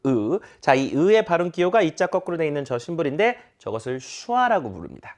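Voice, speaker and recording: A man teaching English pronunciation in a recorded lesson, modeling words and having listeners repeat. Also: on the high side. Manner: demonstrative, repeats words for students to echo.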